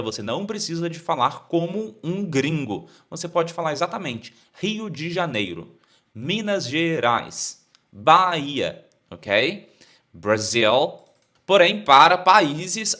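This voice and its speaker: A Brazilian English teacher with a Brazilian Portuguese accent, lively and bright in tone. He talks slowly and repeats each phrase so learners can copy it. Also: a little high. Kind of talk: explaining an English lesson.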